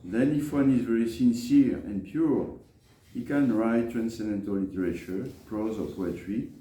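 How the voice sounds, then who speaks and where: A man preaching in a scripture lecture, speaking haltingly and hesitantly, with frequent pauses and repeats. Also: on the low side, mellow. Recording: echoey room with faint background noise.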